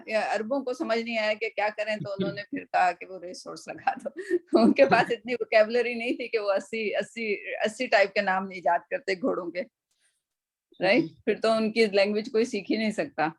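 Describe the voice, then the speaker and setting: A woman teacher leading an online class over a video call, relaxed and conversational. Her voice carries a gravelly, creaky edge at a mid pitch. She slips English words into her talk and keeps checking that her students follow. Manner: casual, chatty, mixes English into speech, keeps asking "right?". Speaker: Quran and Arabic teacher.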